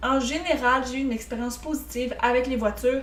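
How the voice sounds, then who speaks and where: Noticeable background noise and audible room echo surround a woman with a Quebec accent. She speaks at a high pitch and moderate pace with fairly even intonation. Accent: Québécois French. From Quebec, Drummondville. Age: 20s. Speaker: vlogger, student. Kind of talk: casual vlog monologue. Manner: casual, many fillers.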